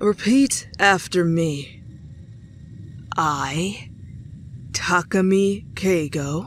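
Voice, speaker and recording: Amid clear background noise, a middle-pitched voice moves at a very slow pace with long, frequent pauses. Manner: harsh, commanding.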